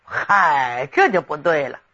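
A gruff old general with a folksy, coaxing manner, as a storyteller puts him on. The voice swings widely and sounds husky. It comes through a dull, lo-fi recording. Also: mid-range voice, sing-song, slow pace, bright, forceful tone, voice pushed down, full character voice. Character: blustering old male general, folksy and scheming. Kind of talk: traditional storytelling.

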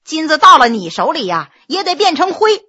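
A woman voicing a chatty, flattering middle-aged innkeeper woman who gushes and talks fast. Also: high voice, lo-fi sound, heavily acted. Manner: gushing and fast-talking.

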